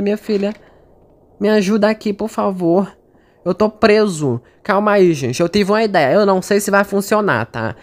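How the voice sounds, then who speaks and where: A woman with a Brazilian Portuguese accent narrates her own horror gameplay in a fairly low voice. She is chatty and jumpy, talking straight to her viewers and to the characters on screen. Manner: chatty and jumpy, talks to the audience and game characters. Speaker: gaming streamer. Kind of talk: casual gameplay commentary.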